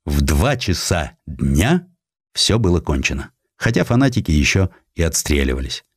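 A man reading a historical essay as an audiobook narrator, in an expressive, measured literary manner with distinct pauses. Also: rumbling low, breathy edge, no echo, studio quality.

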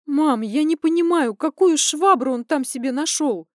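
Woman doing a hot-tempered young daughter, high-pitched, loud, indignant, dry close sound. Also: normal speed, no echo, lightly acted. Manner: shouting, indignant.

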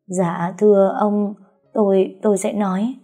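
Woman doing a trembling servant woman, stammering, husky, mellow. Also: on the low side, normal speed, soft background music. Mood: fearful. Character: frightened female household servant confessing.

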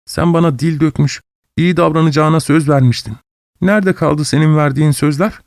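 Young peasant wife, trembling and pleading, raised pitch, read by a man, dry close sound. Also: animated, moderate pace, vocal fry, darkish tone, dry recording, full character voice. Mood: reproachful. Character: abused young peasant wife, timid but stubborn. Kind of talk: audiobook reading.

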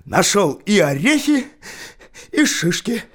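Brief: an actor as an eager young sailor, high bouncy voice, plain dutiful delivery. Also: male voice, sing-song, slow pace, slightly rough, exaggerated voice. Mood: earnest. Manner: dutiful, reporting. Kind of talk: audio play acting.

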